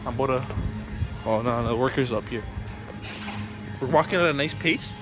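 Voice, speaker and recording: A man's voice: medium pitch, moderate pace. A man chatting casually for a vlog inside a large store, slangy and repeating phrases for emphasis. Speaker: vlogger in a prank group. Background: music.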